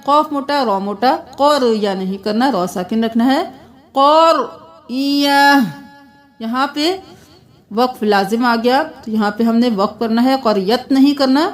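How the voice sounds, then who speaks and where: A woman with a South Asian Urdu accent teaching a word-by-word recitation lesson, chanting each phrase slowly and melodically, then explaining pronunciation in quick plain speech. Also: a little high, darkish tone. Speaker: Quran tajweed teacher.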